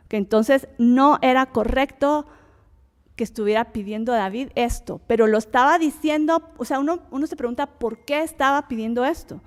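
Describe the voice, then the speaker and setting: A woman's voice: on the high side, in a large hall. A woman teaching an informal Bible study lesson, chatty and emphatic, often restarting her sentences. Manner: conversational, many fillers and restarts, rising emphatic exclamations.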